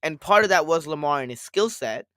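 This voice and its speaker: A man co-hosting a casual sports podcast, rambling and circling back to his points, a little hoarse after a cold. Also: fairly high pitch, animated, brisk, sharp tone, dry recording, studio quality. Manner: rambling, repeats himself, quotes others. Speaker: podcast co-host.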